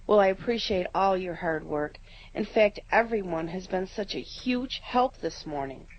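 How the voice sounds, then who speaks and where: A homely, courteous woman neighbor, played by an actress speaks in a radio drama at a medium pitch. Her turns of phrase are plain and polite, and the recording is slightly dull. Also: expressive, moderate pace, slight background noise, lightly acted. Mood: grateful. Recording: slightly muffled audio.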